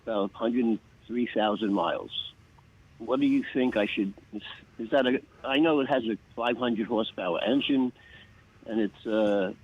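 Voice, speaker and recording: Husky guy calling in, muffled dull phone sound, asks stuff in fits and starts. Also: mid-range voice. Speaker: caller. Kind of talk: phone-in question.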